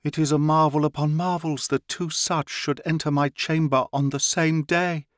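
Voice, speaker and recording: A man reading an audiobook, voicing an entranced female seer who speaks in a high, sighing voice with solemn, prophetic chanting. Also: slow pace, no room sound, clean studio sound, lightly acted. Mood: exalted.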